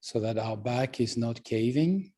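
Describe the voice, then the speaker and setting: A man leading a guided meditation as a teacher, speaking calmly and gently with unhurried pauses. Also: medium pitch.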